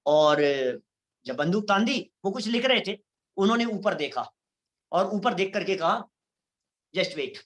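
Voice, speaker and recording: Man, Jain lecturer, devotional sermon, bright forward voice, acts out quoted voices. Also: sits high, animated, unhurried. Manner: addresses listeners as bhai sahab, acts out quoted voices. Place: online lecture series.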